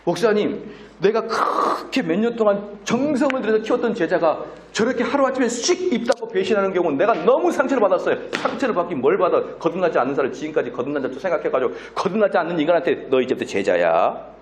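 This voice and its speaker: Middle-aged male pastor, lecture-style sermon, lively pitch, scolding delivery, roomy hall sound. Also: fast talker, few pauses. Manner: animated and scolding, acts out quoted people; humorous asides with laughter.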